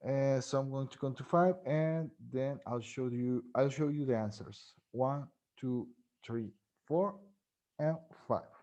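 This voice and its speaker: A man's voice: mid-range voice, slow, dark tone, highs cut off. A man with a Mexican Spanish accent teaching an English grammar lesson, reading English examples and explaining them in Spanish with frequent tag questions.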